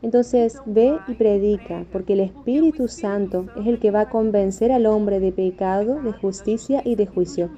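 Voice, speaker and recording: A woman's voice: mid-range voice, normal speed, few pauses, warm tone. A woman narrating a religious testimony in an earnest, emphatic way, as a preacher. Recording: dull lo-fi audio with faint music.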